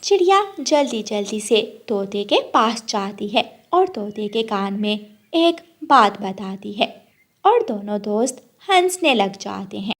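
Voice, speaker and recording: A woman's voice: mid-range voice, big pitch swings, takes it slowly. A woman narrating a children's cartoon story and ending with a moral and a request to subscribe.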